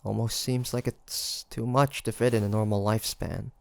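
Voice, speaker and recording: A man's voice: fairly low pitch, steady tone, moderate pace, gravelly. A man playing a curious, teasing demon hunter in an audio roleplay, talking to the listener in a hesitant, conversational way. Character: male demon hunter traveler, curious, teasing, softly tsundere. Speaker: voice actor.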